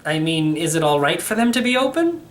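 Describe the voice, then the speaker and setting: A man voicing a bright, curious, agreeable young nephew in a storybook, speaking in brief, plain questions and answers. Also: a little high, big pitch swings, fairly quick. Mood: puzzled, wondering. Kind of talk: storybook character reading.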